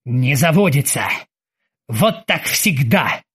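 A man voicing an irritable middle-aged yacht captain who barks and shouts in exasperation. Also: medium pitch, big pitch swings, slow pace, slightly rough, pitched below the performer's own voice, full character voice. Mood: gruff irritated.

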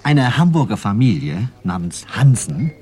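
A man's voice: medium pitch, unhurried, breathy edge. A man telling jokes in a casual round, acting out the characters. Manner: lively, acts out voices. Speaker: joke teller.

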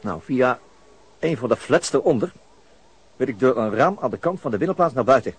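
A man's voice: medium pitch, expressive, a little fast, breathy edge. A man acting a determined, stoic, terse policeman in a Dutch radio drama. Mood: resolute.

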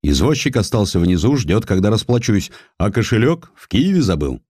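A man voicing a blunt, wry old Russian army general in an audiobook, gruff and sly. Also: lowish voice, sing-song, normal speed, a little mellow, no room sound, clean studio sound. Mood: sly, jovial.

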